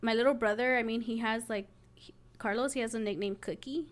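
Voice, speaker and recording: Podcast co-host, young Latina woman, casual and candid, voice a bit high. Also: fairly quick. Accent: Latina American English. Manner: candid, swears freely, many fillers. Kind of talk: casual chat.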